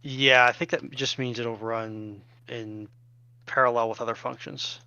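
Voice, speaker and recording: A man's voice: mid-range voice, steady tone, a little slow, creaky, pushed and bright, clean tone, dry recording. A man giving casual step-by-step technical instructions, phrasing them politely and a bit hesitantly, on a slightly lo-fi mic. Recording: dry, slightly dull lo-fi mic.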